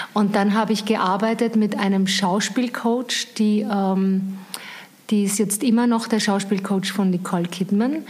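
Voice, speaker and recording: In an Austrian accent, a woman speaks at a fairly slow pace and medium pitch, with fairly even intonation, very even loudness and noticeable background noise. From rural Austria. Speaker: coach and former actress. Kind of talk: interview.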